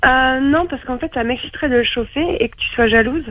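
A woman on the radio calmly going along with a caller's prank. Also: sits high, brisk, no echo, lo-fi sound.

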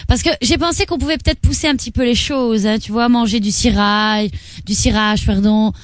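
A woman's voice: on the high side, fairly quick. A woman on a comic phone call, teasing the other person with absurd, provocative questions. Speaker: radio prank caller.

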